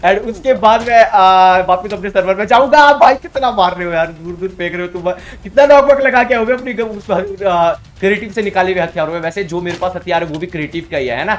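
A man giving live commentary while playing a game, excitable and repeating his words in quick bursts. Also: high-pitched. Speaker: gamer streamer.

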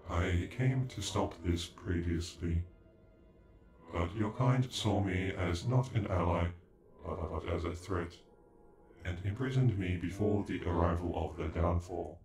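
Deep, glitching ancient android. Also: male voice, measured pace, darkish tone. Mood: grave, explanatory. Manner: formal, clipped, stilted robotic phrasing with glitchy stutters. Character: male alien android, ancient, cold, sassy, condescending. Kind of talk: scripted ASMR sci-fi roleplay. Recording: echoing, with music behind.

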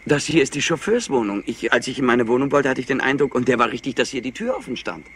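An actor playing a clever, flippant and somewhat highly strung nephew in a crime drama, mocking and impatient. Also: male voice, expressive, fast talker, fairly bright tone, a little hiss or hum, close to an everyday voice. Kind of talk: dubbed TV crime drama acting.

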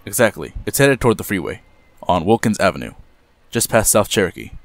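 A man plays a deferential aide in an audio drama. He speaks with formal, dry politeness in a lowish, animated voice, recorded close and dry. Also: fairly quick, dry recording. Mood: formal, urgent. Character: Roland, deferential, formal male aide to boss.

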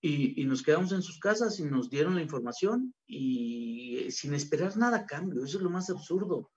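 Mexican man, lively colloquial lecturer, slightly high voice, dull lo-fi recording. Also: normal speed. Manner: colloquial, animated, acts out quoted voices. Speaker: conference speaker, gastronomy researcher. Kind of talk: informal conference talk.

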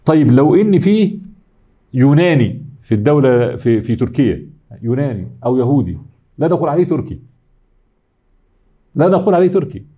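A man's voice: medium pitch, big pitch swings, fairly quick, mellow, husky, muffled recording. A middle-aged man with an Egyptian accent giving an academic lecture, explaining step by step and answering his own questions. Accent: Egyptian Arabic.

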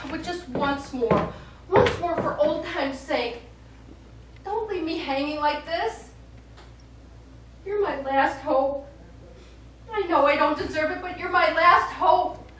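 A woman's voice: sits high, fairly bright tone, full character voice. A woman acting a frantic, worn-out ventriloquist with theatrical emotion in a live stage play. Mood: desperate. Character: frantic, worn-out female ventriloquist unravelling before a show. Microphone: far camera. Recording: distant noisy echoey stage camera recording.

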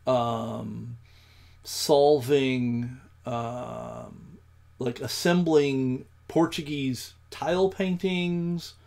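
A man with a gravelly, creaky voice talks slowly through live code. He thinks aloud, breaks off into ums and picks his words as he goes. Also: medium pitch, darkish tone. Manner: thinking aloud, many ums, slow halting speech. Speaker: programming livestream host. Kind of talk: live coding with commentary.

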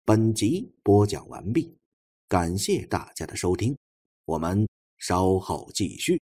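A man reading a suspense novel as an expressive audiobook narrator, with a husky voice. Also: fairly low pitch, slow.

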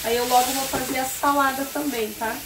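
A Brazilian woman with a Paraná accent talks viewers through lunch at her wood stove in a homey, chatty way. Her voice sits a little high, and it is picked up on a phone camera over steady sizzling and frying. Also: fairly quick, noisy background. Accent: Brazilian Portuguese. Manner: chatty, keeps checking in with viewers. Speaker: home cooking vlogger. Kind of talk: casual step-by-step cooking narration. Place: home kitchen with wood stove. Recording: food sizzling in the background.

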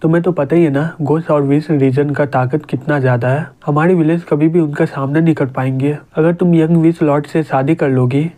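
A man's voice: on the high side, brisk, hardly any pauses, lightly acted. A man reading the lines of a scheming old grandmother in a manga recap, in his own plain voice. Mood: urging. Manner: plain, flat storybook reading.

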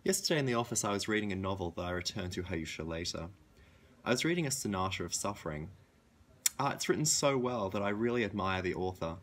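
Reader, young adult male, low voice, animated intonation, literary diary reading. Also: quick pace. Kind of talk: expressive reading of diary excerpts. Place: outdoors on a leafy balcony.

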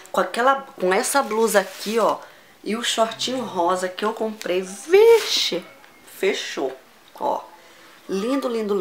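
A Brazilian woman vlogging a casual shopping haul, gushing and excitable, repeating words as she shows each item. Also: mid-range voice, slight background noise, rough recording. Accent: Brazilian Portuguese. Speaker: fashion vlogger.

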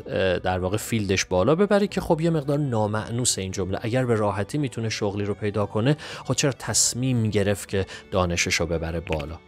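A man teaching English grammar through an exam walkthrough. He is methodical and reads the English examples out slowly and clearly. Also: fairly low pitch.

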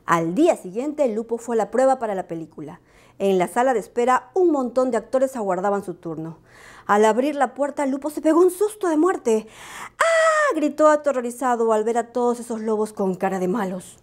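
A woman reading a children's bedtime story aloud, expressive and animated. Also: a little high, fairly quick.

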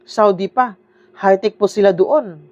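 A woman's voice: medium pitch, a little slow, a little mellow. A woman vlogger giving sarcastic casual commentary, peppering her talk with tag questions and laughs. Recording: dull lo-fi audio.

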